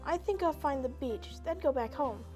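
This is a little lost puppy dog in a children's puppet show, voiced by a woman. The voice sits high, sweet and innocent, with a childlike openness. Soft music plays faintly behind. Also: animated, moderate pace.

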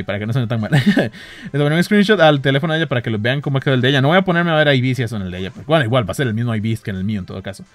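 A man with a Costa Rican Spanish accent, giving casual running commentary as he plays a phone game outdoors early in the morning. He talks excitably, swears, and laughs at himself. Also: mid-range voice, no room sound. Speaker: gaming vlogger. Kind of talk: casual commentary while playing. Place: outdoors walking near home in the early morning.

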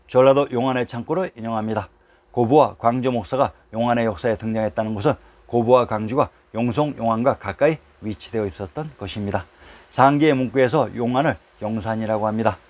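Guy reading out a history script, calm and even, goes through place names one by one like a list. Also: medium pitch. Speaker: narrator of history videos. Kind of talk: scripted narration read from a text.

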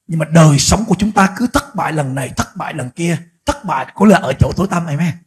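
Husky high-voiced preacher. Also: male voice, animated. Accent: Vietnamese. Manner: preaching with sudden loud, shouted peaks and slow drawn-out words. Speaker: pastor. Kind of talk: sermon.

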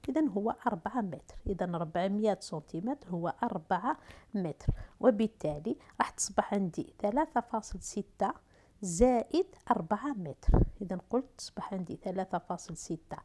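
A woman's voice: medium pitch, dark tone, slight background noise. A woman teacher with an Algerian Arabic accent, explaining unit conversions step by step and answering her own questions. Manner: talks through steps slowly, asks and answers herself. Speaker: math and physics teacher. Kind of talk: whiteboard lesson for middle school.

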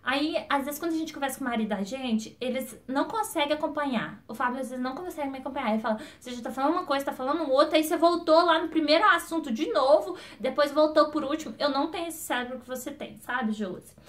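A woman vlogging casually to camera, rambling and jumping between topics as she talks to her viewers. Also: high-pitched. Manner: chatty, quick-talking, addresses viewers directly.

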